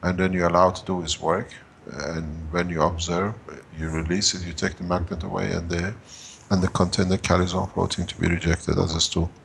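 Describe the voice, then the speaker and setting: A man's voice: deep voice, flat delivery, creaky, a bit bright, slight background noise. A man presenting at a workshop, explaining to a live audience while groping for words and restarting his sentences. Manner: halting, gropes for words and restarts.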